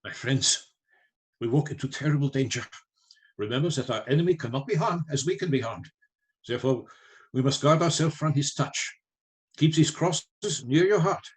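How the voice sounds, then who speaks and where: A man's voice: medium pitch, expressive, normal speed, pauses often, lightly acted, poor audio. A man playing a courteous, grave vampire-hunting professor in a radio play, with formal, authoritative phrasing. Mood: solemn warning. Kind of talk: live radio play acting.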